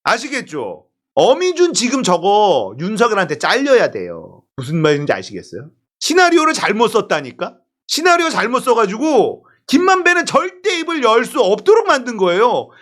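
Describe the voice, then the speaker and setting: A man's voice: high voice, huge pitch swings, normal speed, a bit bright. A man delivering a heated, scornful political commentary monologue as host, full of rhetorical questions.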